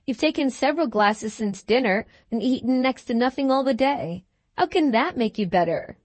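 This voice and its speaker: A woman's voice: a little high, lively intonation, normal speed, dry recording. A woman voicing an earnest young wife and mother who speaks in a pleading, reproachful way in an audiobook.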